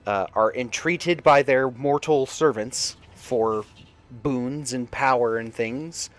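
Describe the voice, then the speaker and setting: A man giving informal, halting, sometimes profane commentary while livestreaming a video game. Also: medium pitch, no room sound. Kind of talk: casual gameplay commentary with lore asides. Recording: game music behind the voice. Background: video game music and sound.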